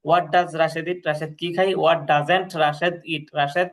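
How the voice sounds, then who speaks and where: A man with a high, fairly bright voice and fairly even intonation explains English grammar to a student. He reads sentences slowly, then translates, patiently repeating drills and checking that everything is understood.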